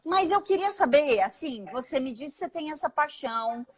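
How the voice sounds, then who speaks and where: A woman's voice: high-pitched, expressive, normal speed. A woman from southern Santa Catarina hosting a casual live-stream interview, chatty and prone to digressions. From southern Santa Catarina, Brazil.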